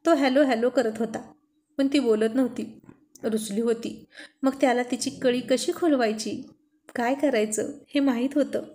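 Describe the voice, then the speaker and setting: A woman narrates a romance story with a slightly high voice. Her reading is intimate and unhurried, in a plain storytelling style. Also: fairly even intonation, dark tone.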